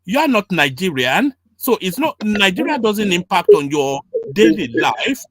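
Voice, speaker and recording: Host, man, high lively voice, relentless questioning, dry close mic. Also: unhurried, no room sound. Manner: pressing, repetitive, talks over the guest. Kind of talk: heated live panel debate.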